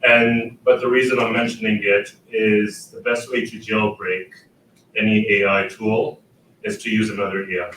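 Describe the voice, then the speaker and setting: Using a fairly low pitch and fairly even intonation, a man speaks at a moderate pace with big swings in loudness. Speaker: AI education company founder. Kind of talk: panel discussion.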